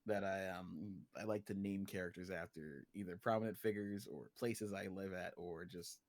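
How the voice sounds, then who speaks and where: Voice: deep voice, fairly even intonation, normal speed, darkish tone. A livestream guest chatting casually, often giggling and playfully acting out quotes. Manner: giggly, playfully self-amused, dramatizes quotes. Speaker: livestream guest and character artist. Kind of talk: casual chat.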